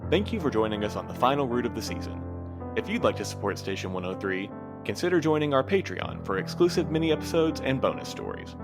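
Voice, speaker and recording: A man's voice: medium pitch, very animated, fast talker. A man reading a scripted podcast outro as the announcer. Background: music with plucked guitar.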